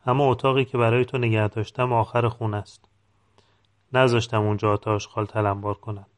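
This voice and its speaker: A man's voice: fairly low pitch, level tone, lightly acted. A man doing an old village woman. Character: old village woman, welcoming, matter-of-fact.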